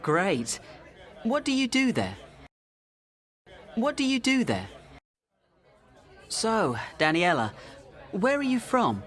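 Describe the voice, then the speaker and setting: A friendly adult man, as a man puts him on, asking questions slowly and clearly. His pitch rises and falls very widely, and each question drops at the end. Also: huge pitch swings, fairly bright tone, some chatter behind, full character voice. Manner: slow, clear questions with falling intonation.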